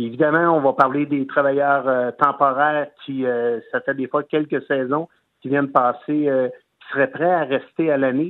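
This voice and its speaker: A man speaks fairly slowly in a Quebec accent, his pitch fairly high. His intonation is monotone and flat. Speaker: mayor. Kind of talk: interview.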